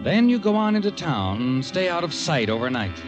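An American actor playing an insinuating, all-knowing narrator who needles the character in a 1940s radio thriller. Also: male voice, a little high, big pitch swings, moderate pace. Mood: taunting, suspenseful. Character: the Whistler, taunting all-knowing male narrator of crime tales. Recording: muffled old radio recording under music. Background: dramatic music.

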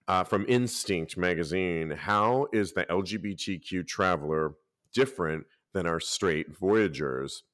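A man hosting a casual podcast, talking lively and reading out articles and listener posts. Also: deep voice, no room sound, clean studio sound. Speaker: podcast host.

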